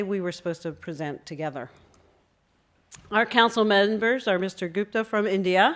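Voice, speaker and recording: A woman's plain, everyday voice, medium in pitch, with ordinary pitch variation and a fairly quick pace. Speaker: council chair at a conference. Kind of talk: conference presentation.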